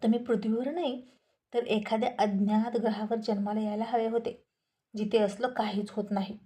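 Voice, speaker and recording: A woman's voice: fairly high pitch, fairly even intonation, normal speed, warm tone, natural voice. A woman voicing a witty young wife. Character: young wife, witty, sharp-tongued, teasing.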